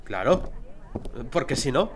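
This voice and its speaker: A man's voice: mid-range voice, big pitch swings, takes it slowly. An actor playing a sceptical, teasing young man in an audio drama. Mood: wry. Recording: faint background noise.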